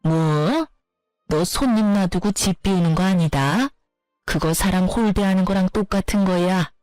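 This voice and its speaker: A domineering older mother-in-law hurls contemptuous scolding in a narrated story, voiced by a woman. The voice drops a little lower and drags its words with scorn. Faint music plays behind the dry, close voice. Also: measured pace, darkish tone, smooth, dry recording, lightly acted, low-quality recording. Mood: scornful.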